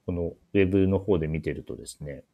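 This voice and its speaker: A man with a very deep voice hosts a menswear shop's radio show. He introduces clothes in a casual but polite way. He often hesitates and thinks aloud as he goes. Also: fast talker, mellow.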